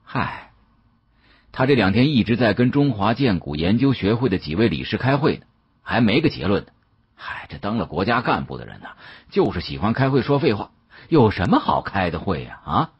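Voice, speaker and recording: A man's voice: mid-range voice, very animated, a little fast, breathy edge, dry recording, muffled recording. A man voicing a cocky, sneering young man from an antiques dynasty, brash, slangy and dismissive, in an audiobook.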